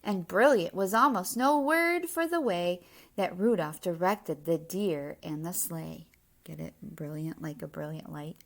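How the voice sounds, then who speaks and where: Aloud and with lively emphasis, a woman reads rhyming lines from a children's storybook in a mid-range voice, breaking off for explanatory asides.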